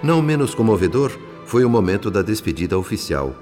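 A Brazilian man playing a humble, reverent narrator in a radio drama, speaking in a measured, literary and solemn way. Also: on the low side, very animated, a little mellow. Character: reverent, moved male spirit narrator, humble disciple. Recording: long hall reverb, music behind. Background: music.

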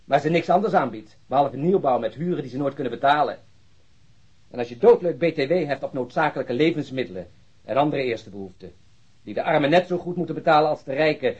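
An actor playing a cynical police detective in a radio play, long-winded and mockingly polite. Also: male voice, fairly high pitch, a little mellow, breathy edge. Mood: bitter sarcasm. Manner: sardonic, long-winded monologue, mock politeness. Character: cynical, ranting, sarcastic male police detective colleague. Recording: muffled, dull radio play recording.

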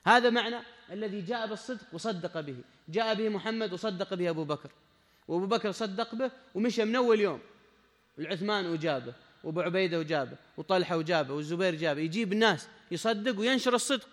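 A man's voice: sits high, quick pace, a bit bright, in a large hall. A man giving a religious lesson, emphatic and repeating his key phrases as he speaks straight to the listener. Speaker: Islamic scholar giving a lesson.

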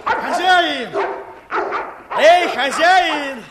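An actor playing a stern, commanding village leader in a Russian radio drama, barking terse orders. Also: male voice, very high-pitched, lively intonation, very slow, roomy sound, very noisy, heavily acted. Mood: angry, commanding. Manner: forceful, terse, giving orders. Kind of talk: Russian radio play acting.

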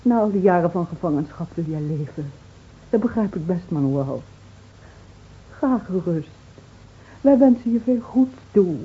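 An actress playing a grieving, devoted middle-aged village wife in a Dutch radio drama, speaking in a solemn, measured, pleading way. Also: female voice, on the low side, expressive, slight background noise. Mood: tender, resigned. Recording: tinny, narrow-band old radio recording.

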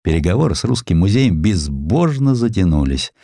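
A man narrating a historical sketch as an audiobook, in an expressive, theatrical storytelling manner. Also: deep voice, normal speed, no echo, studio quality. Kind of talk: dramatized reading of a historical sketch.

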